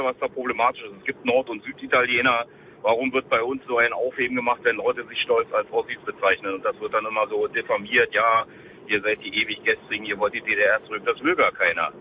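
A man in his fifties from East Germany calls in over a tinny phone line, with a faint hiss behind him. He talks hesitantly, filling his pauses with "äh". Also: medium pitch. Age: 50s. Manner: hesitant, many fillers. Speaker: caller. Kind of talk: phone-in comment.

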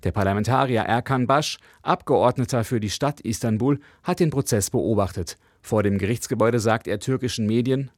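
A male correspondent reads a news report in a steady, measured way. His voice sits at a mid pitch and is recorded close and dry, with no room around it. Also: no echo. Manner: measured, even news delivery.

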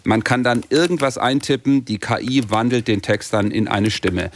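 A man's voice: mid-range voice, moderate pace, slight background noise. A man reporting a radio news feature in a plain, matter-of-fact, lightly wry way.

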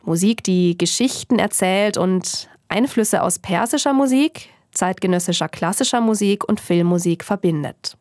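A woman journalist reading scripted documentary narration in a calm, measured storytelling manner. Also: mid-range voice, no echo, studio quality.

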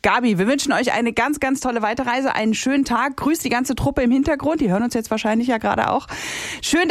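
A woman's voice: a little high, no room sound. A woman hosting a morning radio show, talking in an upbeat, chatty way and asking short questions. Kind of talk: casual radio chat. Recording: dry studio mic.

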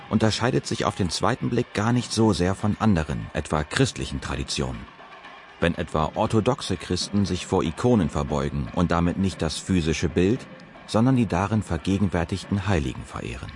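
A man with a very low voice narrates a documentary. His reading is calm and measured. He voices a scripted report. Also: faint music behind.

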